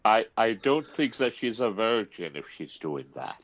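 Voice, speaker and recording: Comedy table read: male actor as grand, languid old vampire, deep-leaning pitch, slow portentous delivery. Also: very animated, no echo. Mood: languidly intrigued. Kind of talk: video-call table read of a comedy film script. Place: remote video-call reading.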